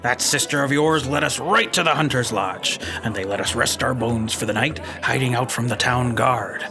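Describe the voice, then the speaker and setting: An actor playing a gruff, boisterous old seafarer in an audio drama, with a gravelly, blustering, folksy way of storytelling. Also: male voice, medium pitch, moderate pace, close to an everyday voice. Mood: hearty storytelling. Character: gruff, boisterous old seafaring brawler telling his tale. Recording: music behind the voice.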